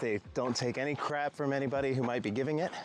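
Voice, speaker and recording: A man speaks with ordinary pitch variation, the sound dry with no echo and noticeable background noise. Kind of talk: casual vlog chat. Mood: grateful, upbeat. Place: open country. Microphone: phone near.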